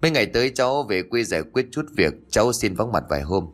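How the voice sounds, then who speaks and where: A man's voice: lowish voice, very animated, quick pace. A man voicing a confident young company heir who coolly accuses his board in a spoken story. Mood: polite. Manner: cold, accusing.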